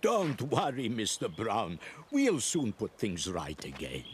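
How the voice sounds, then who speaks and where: An actor playing a kindly, courteous older gentleman in a cartoon, gentle and encouraging in manner. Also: on the low side, huge pitch swings, takes it slowly, heavily acted. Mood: reassuring. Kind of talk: animated cartoon character acting. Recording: loud music under the voice.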